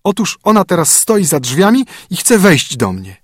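A man voicing a spoiled young princess in a high, whiny, breathless way. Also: big pitch swings, moderate pace, no room sound, clean studio sound. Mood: fretful.

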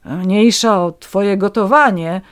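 A woman's voice: medium pitch, slow pace, clear, resonant tone, natural voice. A woman doing a curt, grumpy son-in-law. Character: grumpy middle-aged man, curt and practical.

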